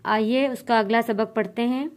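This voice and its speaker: A woman's voice: on the high side, steady tone, normal speed. A woman with an Urdu-speaking South Asian accent teaching Quran reading, spelling out letters and vowel marks one by one and then blending them, with patient explanations in between. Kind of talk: slow letter-by-letter lesson.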